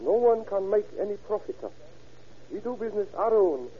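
A man in an old radio drama playing a shrewd, polite Asian drug dealer with a put-on East Asian accent and halting, formal broken English. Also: high voice, lively intonation. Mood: guarded, businesslike. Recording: muffled, noisy vintage radio recording.

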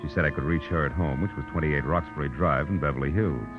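An actor playing a wry, hard-boiled private detective with an American accent in 1940s radio drama, speaking in a clipped, sardonic, world-weary way. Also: male voice, a bass voice, quick pace, music in the background. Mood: wry narration. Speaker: lead actor and narrator of a radio detective series. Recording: muffled vintage 1940s radio recording.

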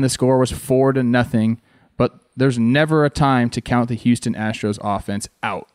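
In clean studio sound with no room tone, a man with a medium-pitched, clean voice hosts a sports show. A baseball analyst, he breaks plays down conversationally and asks viewers rhetorical questions.

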